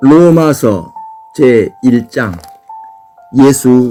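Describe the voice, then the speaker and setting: A man talks, his pitch varying in an ordinary way. Behind him, music can be heard. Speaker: Bible reader. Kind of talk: scripture reading.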